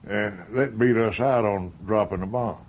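A man's voice: fairly low pitch, a little slow, slightly rough, dull audio. An American man, a war veteran, telling his own story in a folksy way. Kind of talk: recorded testimony, folksy storytelling.

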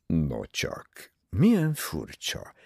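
A man reading aloud, voicing a calm, shrewd older detective who speaks quietly and thoughtfully. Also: fairly low pitch, vocal fry, husky, no echo, studio quality, heavily acted. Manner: quiet, measured and musing.

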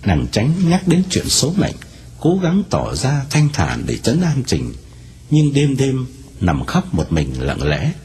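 A man narrating a novel aloud in an expressive storytelling manner. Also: slow. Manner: expressive storytelling with wide swings in pitch.

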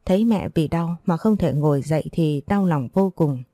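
Female storyteller, lowish warm voice, earnest scripted narration, dry close recording. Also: moderate pace, no echo.

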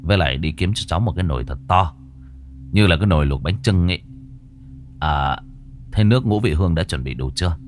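A man doing a brisk, businesslike grave worker. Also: deep voice, animated, soft background music. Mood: calm instructive. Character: calm, matter-of-fact young male grave worker giving orders.

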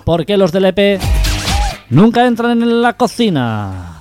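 A man co-hosting a local radio comedy show with a Catalan Spanish accent, reading out quick riddle jokes deadpan. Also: high-pitched. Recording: radio show with music clearly behind.

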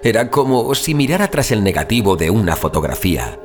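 A troubled man on a strange journey , acted by a man, tells his haunting dream as audio fiction. His voice sits fairly low and moves with very animated intonation. He is theatrical and suspenseful, pausing for effect, with prominent music behind him. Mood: bewildered, eerie. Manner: theatrical, suspenseful, with deliberate dramatic pauses. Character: troubled male wanderer recounting a haunting dream. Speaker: narrator. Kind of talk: dramatic first-person audio fiction narration.

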